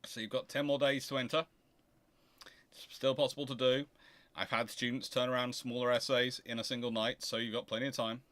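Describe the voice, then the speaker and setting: A man's voice: medium pitch, flat delivery, brisk, fairly bright tone. A man hosts an informal question-and-answer talk, giving opinionated answers and repeating points for emphasis. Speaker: host answering audience questions.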